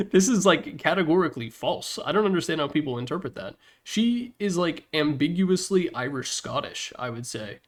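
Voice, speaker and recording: A man presenting a ranking video with casual, opinionated commentary, informal and mildly profane, with wry asides. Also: on the high side. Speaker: presenter of a tier list slideshow video.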